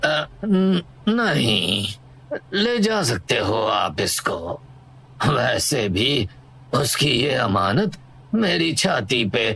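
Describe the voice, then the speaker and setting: A man's put-on character voice at medium pitch, with very wide pitch swings and light background noise. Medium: audio drama. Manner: hesitant.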